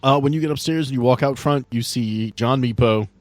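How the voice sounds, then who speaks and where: A man's voice: mid-range voice, brisk. A man casually narrating and refereeing a tabletop game as game master.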